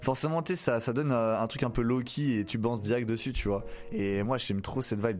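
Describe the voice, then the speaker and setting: A man talks fairly quickly in an ordinary speaking voice, his pitch varying in an ordinary way. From Paris suburbs, Vitry. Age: 20s. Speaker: DJ and music producer. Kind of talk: casual interview chat. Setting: studio.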